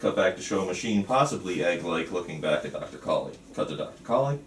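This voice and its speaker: A man's voice: low-pitched, big pitch swings, quick pace. A man leading a script table read as filmmaker, talking casually and reading out stage directions. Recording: roomy, distant, faint background noise.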